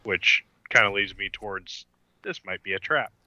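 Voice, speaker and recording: A man's voice: on the low side, animated, normal speed, bright, forceful tone, muffled recording, faint music behind. A man playing a tabletop game, speaking directly and reasoning through plans aloud. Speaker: player. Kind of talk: tabletop game play, casual chat.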